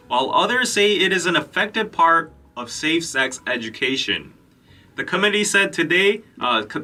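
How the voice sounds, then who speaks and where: A man's voice: on the high side, sharp tone, distant mic. A young man from Korea hosting a live podcast stream, chatting casually with lots of fillers and restarts. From South Korea. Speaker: podcast host. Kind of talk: casual live-stream chat and news reading.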